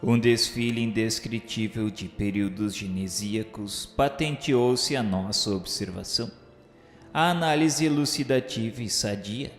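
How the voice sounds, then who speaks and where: A Brazilian man playing a repentant spirit who narrates a radio serial, solemn, fervent and awestruck, declaiming in grand literary style with dramatic pauses. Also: medium pitch, close to an everyday voice. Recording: echoey hall reverb over music. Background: music.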